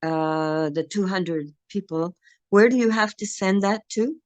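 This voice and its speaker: Woman participant on a call, casual, mid-pitched, friendly. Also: unhurried. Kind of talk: casual video call chat. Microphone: video call.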